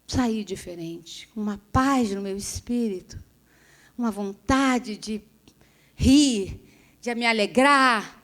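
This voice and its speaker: A middle-aged woman tells her religious testimony in a fairly high voice. She acts out the dialogue as she goes, keeping her storytelling lively. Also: slow. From Rio de Janeiro, Brazil. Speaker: speaker giving a testimony. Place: restaurant event hall.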